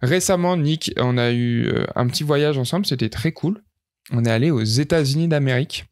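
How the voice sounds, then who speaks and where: Playful French podcast host, mid voice. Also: male voice, medium pitch, a little fast. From France. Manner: playful, deadpan joking, many hesitations. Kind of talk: casual chat.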